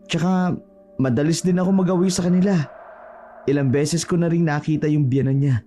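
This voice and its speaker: Man doing a young village man, hesitant, respectful, mellow tone. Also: a little high, fairly even intonation, a little fast, faint music behind, close to an everyday voice. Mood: worried.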